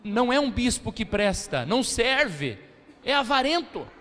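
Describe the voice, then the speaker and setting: A man with a Brazilian Portuguese accent preaching to a congregation, his high voice leaping up and down with lively swings of pitch. He calls for responses and mimics church members. The sound carries a long reverb from the church hall. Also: unhurried. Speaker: pastor. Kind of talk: sermon.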